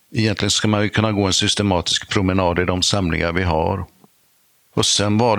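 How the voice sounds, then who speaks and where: With a plain, everyday voice, a man speaks at a fairly low pitch and with fairly even intonation. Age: 60s. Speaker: botanical garden horticulturist. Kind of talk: interview. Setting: recorded at a botanical garden.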